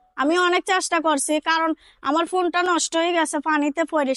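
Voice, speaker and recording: In a dry, close recording with no echo, a woman speaks at an extremely high pitch with a bright, sharp tone and fairly even intonation. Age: 20s. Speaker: young woman seeking a marriage partner. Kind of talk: on-camera interview, personal story.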